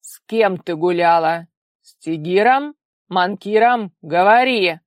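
A towering grey-haired father who rules the sky-web bellows in slow, menacing bursts of fury, as a woman reader plays him. His roars land close and dry, with no room sound around them. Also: on the low side, no echo. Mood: roaring.

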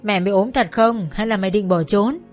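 A woman's voice: mid-range voice, a little fast, a little mellow, faint music behind, lightly acted. A woman voicing a harsh, bullying male karaoke bar manager. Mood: gruff.

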